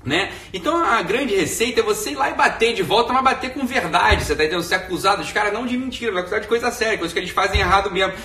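A high, sharp-toned male voice races along with barely a pause, full of animation. He has a Brazilian Portuguese accent and is live streaming from home, chatting off mic in an echoey room, slangy and rambling, tacking "né" onto his lines.

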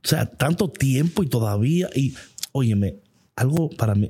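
A male preacher delivers a heartfelt devotional message in a conversational, passionate manner, now and then slipping English words into his speech. His voice is dark and mellow with a husky edge. He talks straight to the listener, as if in close conversation. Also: mid-range voice, lively intonation, moderate pace. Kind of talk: devotional sermon.

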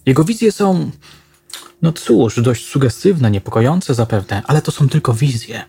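A man voicing a stern, guarded woman headmistress, speaking briskly and coolly. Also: medium pitch, lively intonation, vocal fry, dark tone, slightly rough, exaggerated voice. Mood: defensive.

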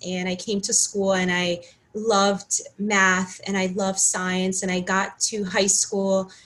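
Slow and flat in delivery, a medium-pitched woman with a fairly bright tone speaks in a casual interview. She is a pharmacist from Ukraine in her thirties, earnest, prone to restarting sentences and leaning on "you know." The recording is of low quality.

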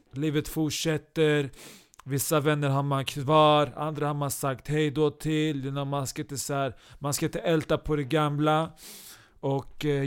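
A man playing a breezy, monotone young woman. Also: on the high side, clear, resonant tone, natural voice. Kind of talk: comedy podcast sketch.

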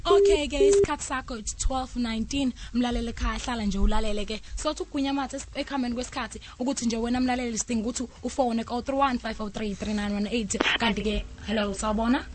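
A woman's voice: on the high side, quick pace, hardly any pauses, noisy background. A woman with a Zulu South African accent hosting a radio phone-in. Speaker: radio presenter.

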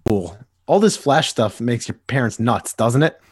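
A man's voice: medium pitch, expressive, unhurried, natural voice. A man reading the part of a nostalgic grown-up superhero, talking in earnest first-person monologue. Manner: wistful, earnest inner monologue. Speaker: podcast co-host. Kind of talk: amateur comic dramatic reading.

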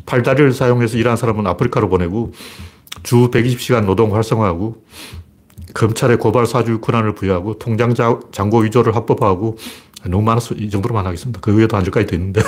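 A man's voice: fairly low pitch, slightly rough. A man giving casual political commentary in a sarcastic, mocking way, with scoffing asides and emphatic rises to drive his points home.

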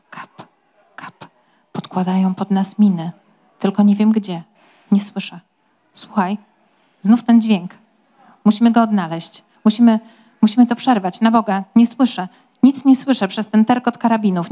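A feverish young aristocrat gripped by wartime panic, voiced by a woman reading a novel aloud. His lines come urgent and loud, lifting higher and pressing harder as the fear takes hold. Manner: urgent, rising to near-shouted alarm. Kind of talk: audiobook-style reading of a novel.

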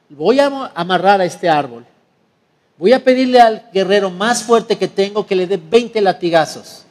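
A man's voice: sits high, darkish tone. A man voicing a stern but loving island tribal chief who makes firm, solemn proclamations.

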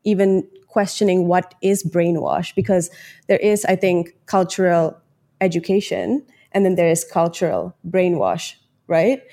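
A woman's voice: fairly low pitch, steady tone, a little slow, mellow. A woman in her twenties who grew up in Indonesia, a bubbly podcast guest who laughs easily and thinks aloud. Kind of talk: casual interview chat.

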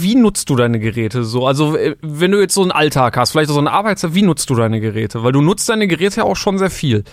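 Man, podcast co-host, slightly high voice, hesitant and searching, dry close-mic sound. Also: no room sound. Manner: hesitant, searching for words, curious questions. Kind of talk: casual podcast chat.

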